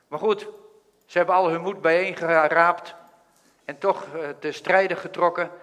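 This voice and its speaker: A preacher reading a Bible passage aloud and explaining it in an earnest, thoughtful way, with pauses and restarts. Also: male voice, a little high, a bit bright. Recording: long hall reverb.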